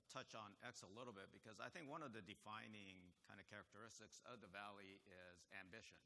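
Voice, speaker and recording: A man moderates a conference panel with a low, strikingly bright and forceful voice. He poses questions inquisitively and probes for detail. Faint noise sits in the background. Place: conference stage.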